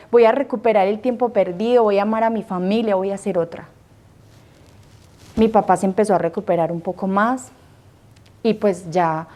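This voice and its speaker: A woman's voice: mid-range voice, dark tone. A woman in her thirties from Colombia, a nun telling her personal vocation testimony with earnest emotion, acting out her own past words.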